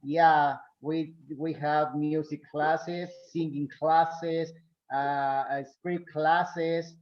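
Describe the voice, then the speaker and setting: Mexican man, class host on a video call, slightly high voice, halting with fillers, muffled audio. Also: level tone. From Mexico City. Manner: hesitant, many fillers. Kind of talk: bilingual class chat.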